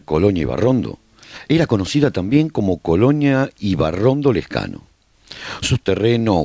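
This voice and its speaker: A man narrates a scripted radio serial in a documentary tone, with measured, deliberate phrasing. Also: lowish voice, darkish tone, no room sound.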